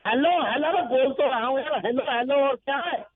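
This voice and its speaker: An older man with a very high voice, shouting hello again and again in exasperation. He comes through a dull, muffled phone line. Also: brisk, slightly rough, dry recording. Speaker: prank-call victim.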